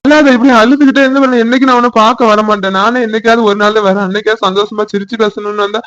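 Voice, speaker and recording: A man's voice: high voice, fairly even intonation, racing, fairly bright tone, no room sound, dull audio. A man voicing a young village man comforting his sweetheart with a Tirunelveli Tamil accent, reassuring and coaxing.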